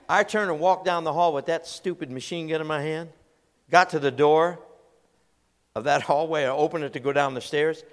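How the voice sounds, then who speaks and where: A man, preaching and telling a funny story with lively delivery. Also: a little high, normal speed, long reverb tail. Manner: animated storyteller, acts out voices and laughs. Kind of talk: humorous sermon illustration.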